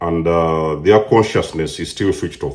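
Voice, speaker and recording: A man speaks at a fairly quick pace in a very deep, low voice. He talks with a non-native accent. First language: not English. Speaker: spiritual life coach, video creator. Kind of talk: monologue to camera. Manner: halting, with fillers.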